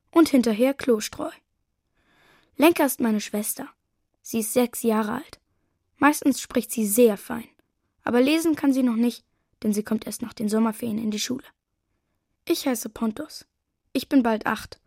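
Woman reading as a lively boy of almost eight, breathy, higher voice, dry close sound. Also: dry recording. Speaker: narrator. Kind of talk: first-person storybook narration.

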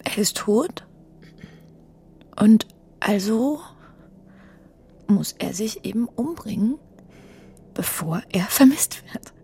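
A woman's voice: medium pitch, lively intonation, slow pace, long pauses, dark tone, breathy edge, heavily acted. An actress playing a panicky young woman who whispers urgently and harshly in a radio play. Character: panicky young woman, friend covering up a death.

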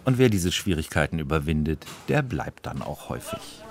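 A man's voice: a bass voice, sing-song, moderate pace, very noisy. A man narrates a scripted radio feature as a reporter, in short descriptive sentences.

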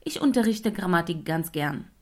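A woman's voice: lowish voice, lively intonation, normal speed. Dry-voiced woman narrating. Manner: dry, matter-of-fact. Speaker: narrator and German teacher. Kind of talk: scripted radio narration.

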